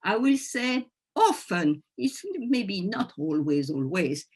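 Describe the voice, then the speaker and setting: A woman's voice: mid-range voice, big pitch swings, slow, a little mellow, breathy edge. A woman with a French accent, a native French speaker, gives an informal teaching talk to a group, searching for words in her second language. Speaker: workshop presenter.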